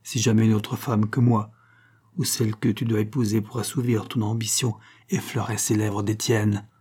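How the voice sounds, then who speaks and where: A man's voice: fairly low pitch, level tone, normal speed, warm tone, slightly rough. A man voicing a fierce, jealous young Gypsy woman who threatens her lover with vehemence. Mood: intense.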